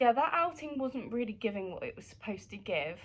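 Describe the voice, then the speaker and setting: A woman speaks with an English accent. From England. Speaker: flight attendant and travel vlogger. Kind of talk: vlog. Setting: outdoors and hotel room. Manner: chatty, casual.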